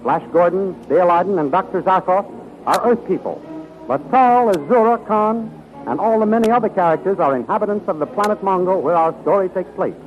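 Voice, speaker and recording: A man's voice: sits high, a little fast, soft background music. A male announcer reading scripted narration in an emphatic, formal 1930s radio style on a muffled old recording.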